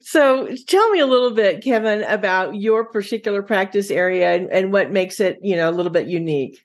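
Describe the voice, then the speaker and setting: A woman's voice: mid-range voice, lively intonation, fairly quick. Woman hosting a podcast interview, conversational, encouraging. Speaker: podcast host.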